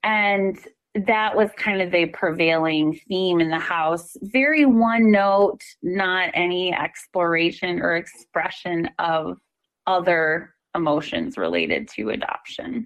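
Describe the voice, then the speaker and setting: A woman with an American accent at a medium pitch, her very slow pace paired with lively intonation. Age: 30s. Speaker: mental health therapist. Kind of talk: interview.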